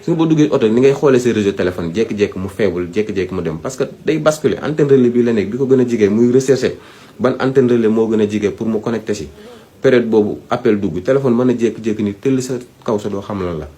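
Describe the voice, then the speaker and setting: A man's voice: fairly low pitch, fast talker, mellow. A Senegalese man giving informal advice, speaking emphatically, repeating his points and addressing the listener directly. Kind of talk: informal advisory talk, Wolof mixed with French.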